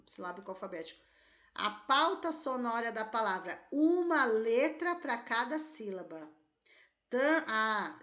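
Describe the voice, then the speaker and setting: A woman's voice: a little high, fairly bright tone. Brazilian woman teacher talking through test questions. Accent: Brazilian Portuguese. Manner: thinks aloud, rechecks answers, tags lines with "né?" and "tá?". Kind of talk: exam-prep lesson, reading and solving test questions.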